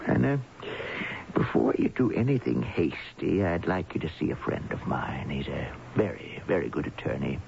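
An actor playing a kindly, concerned middle-aged employer in a radio drama, gentle, solicitous and a little hesitant. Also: male voice, a bass voice, very animated, normal speed, gravelly, heavily acted. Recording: dull, noisy vintage radio broadcast.

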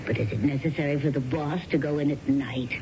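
A genteel, solicitous wife in 1970s radio drama. Her delivery is measured and theatrical, polite with suspicion underneath. The old broadcast sounds dull and clearly noisy. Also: rumbling low, warm tone. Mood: sweetly probing. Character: genteel wife, outwardly sweet, quietly suspicious of husband.

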